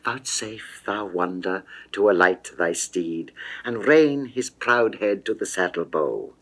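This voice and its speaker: A man's voice: deep voice, expressive, takes it slowly, fairly bright tone, full character voice. A man voicing an amorous, coaxing goddess in a theatrical, lingering 1960s dramatic reading of verse. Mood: coaxing, seductive. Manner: theatrical, lingering, ornate delivery.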